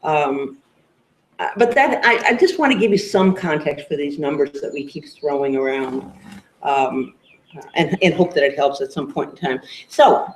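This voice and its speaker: A man's voice: fairly high pitch, animated, normal speed, a little hiss or hum. A man on a panel discussion, thoughtfully giving context with numbers and a few hedges. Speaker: roundtable panelist. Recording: roomy hall echo.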